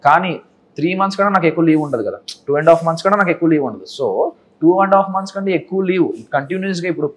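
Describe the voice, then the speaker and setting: Young Telugu-accented contestant, rapid confident talker, slightly high-pitched. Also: male voice. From India. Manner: confident, mixes English phrases. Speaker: reality show contestant. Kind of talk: casual interview answers.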